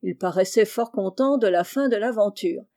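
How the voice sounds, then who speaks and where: A woman's voice: mid-range voice, normal speed, dark tone. Woman reading a classic novel aloud. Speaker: audiobook reader.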